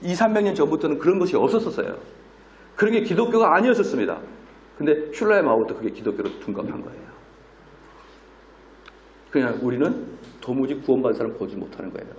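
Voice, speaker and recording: A middle-aged male pastor giving a lecture-style sermon at a conference. He is animated and scolding, and acts out the people he quotes. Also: fairly high pitch, fast, long pauses, highs cut off. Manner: humorous asides with laughter. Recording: roomy conference hall.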